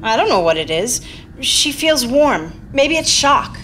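A woman's voice: sits high, big pitch swings, measured pace, a bit bright, a little hiss or hum, exaggerated voice. A woman playing a bitter, long-suffering, exasperated wife in a radio play. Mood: worried, subdued. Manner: biting, exasperated. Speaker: actor in a staged radio play. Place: theater stage. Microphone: stand microphone.

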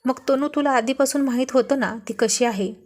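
A woman's voice: sits high, a little fast, darkish tone, lightly acted. A woman voicing a playful, teasing young husband in a read-aloud love story. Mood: puzzled. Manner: teasing, pleading. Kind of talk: storybook reading.

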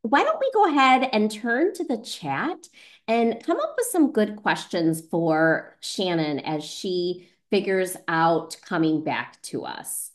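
A woman's voice: mid-range voice, big pitch swings, slow pace. A woman casually hosting a video call in a reassuring, encouraging way. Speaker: online event host.

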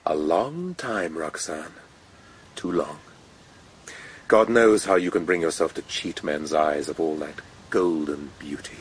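An actor playing a worldly, brooding nobleman in a radio drama, formal and deliberate in his speech. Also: very deep voice, a little hiss or hum. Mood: brooding, probing. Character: worldly, brooding nobleman courting a mourning woman.

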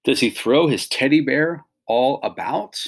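Reading a picture book to children, a middle-aged male teacher uses simple phrases to explain and point things out in this instructional read-along. He keeps a measured pace, his medium-pitched voice slightly rough.

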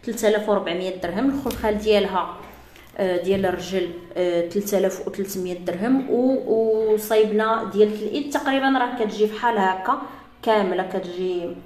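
A woman with a Moroccan Arabic accent, chatting through a live sales pitch for jewelry to her female viewers. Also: quick pace, darkish tone, echoey room. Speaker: jewelry seller.

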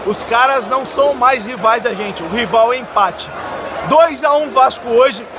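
A young Brazilian man, drunk, giving a loud, boastful, profane post-match rant as a football fan vlogger. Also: very high-pitched, moderate pace. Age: young adult. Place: outdoor football stadium stands. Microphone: phone at arm's length. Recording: noisy stadium crowd recording. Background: crowd and stadium noise.

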